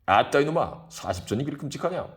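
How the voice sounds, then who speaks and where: A man doing a loud drunken rickshaw man. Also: fairly low pitch, big pitch swings, normal speed. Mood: drunk shouting. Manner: loud, rough, slurring drunkard's shouting. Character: drunk, boisterous middle-aged rickshaw man, crude and swinging between moods.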